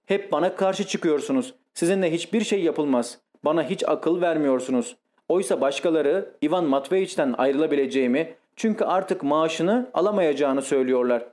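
Man reading a capricious young wife, exclaiming, self-pitying, slightly high voice, audiobook. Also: normal speed, darkish tone, natural voice. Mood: indignant.

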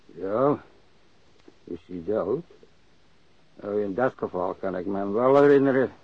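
An actor playing a cagey, grudging old labourer in a radio drama, curt and evasive. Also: male voice, lowish voice, measured pace, no echo. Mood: guarded, indifferent. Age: older. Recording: narrow, tinny lo-fi radio recording.

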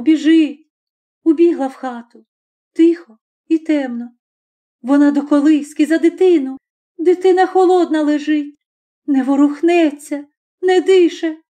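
A woman reading a classic short story aloud in an unhurried, mournful storytelling manner. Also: high-pitched, mellow. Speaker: audiobook reader. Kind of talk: scripted narration of a classic story.

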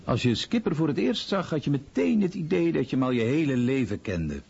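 An airman in a radio play, husky and creaky with lively intonation. The recording is slightly dull. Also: on the high side, fairly quick, full character voice. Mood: admiring. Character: male airman fond of his skipper. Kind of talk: radio play voice-over translation.

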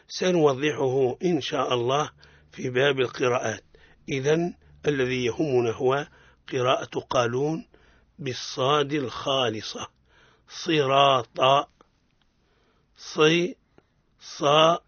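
A man with a Tunisian accent hosting a radio lesson on Quran recitation, correcting mistakes and slowly demonstrating each syllable again and again. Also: medium pitch, a bit bright, husky, dry recording. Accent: Tunisian Arabic. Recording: dull, dry radio studio sound.

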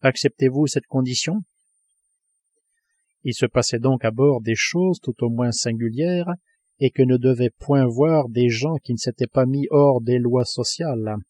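A man narrating an audiobook in a calm, measured way. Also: medium pitch, dry recording. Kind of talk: scripted narration.

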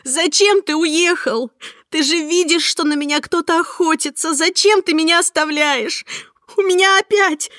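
Brief: woman playing a panicked heroine yelling through tears, loud and very high, dry close sound. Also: normal speed, no echo. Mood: panicked, tearful. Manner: shrill, shouting, near tears. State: sobbing. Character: frightened, hysterical young woman on the phone.

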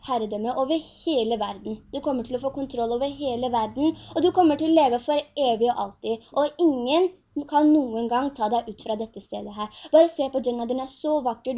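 A woman reading out the words of a cunning male devil who tempts a man with coaxing promises, in her own voice. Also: sits high. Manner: coaxing, persuasive whisper of promises. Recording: dull lo-fi recording.

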